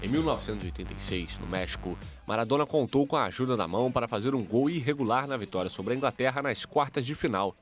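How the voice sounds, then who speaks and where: Brief: male news reporter, fast voice-over, mid pitch. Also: lively intonation, faint music behind. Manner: brisk dubbing of interviewees.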